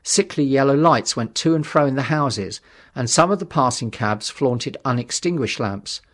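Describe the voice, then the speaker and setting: Male audiobook narrator, measured and dramatic. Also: mid-range voice, lively intonation, fairly bright tone. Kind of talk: scripted literary narration.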